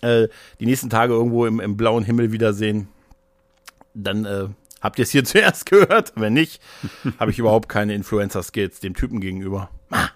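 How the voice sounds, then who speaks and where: A man's voice: lowish voice, normal speed, dry recording. Chatty man rambling casually, dry close sound. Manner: chatty, rambling, colloquial with English slang. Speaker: podcast co-host. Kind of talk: casual chat.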